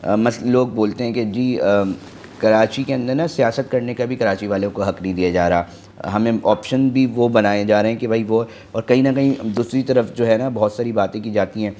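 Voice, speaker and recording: A man interviewing a guest, asking measured questions and often murmuring agreement. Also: on the low side, steady tone, mellow. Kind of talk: political interview.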